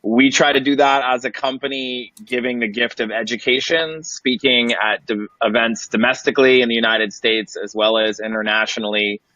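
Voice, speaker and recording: A man's voice: mid-range voice, fairly even intonation, normal speed, few pauses, sharp tone, no room sound. A man giving a polished, aphoristic introduction as a chief executive on an online panel. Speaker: CEO, webinar panelist. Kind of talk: polished professional pitch. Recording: muffled dry online-call audio.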